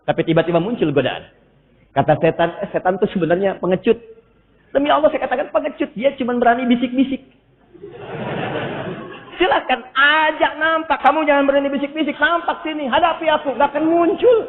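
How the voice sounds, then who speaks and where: High-voiced, lively male preacher in a hall. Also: a little fast. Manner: lively and humorous, jumps high for emphasis. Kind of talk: sermon. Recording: tinny echoey hall recording.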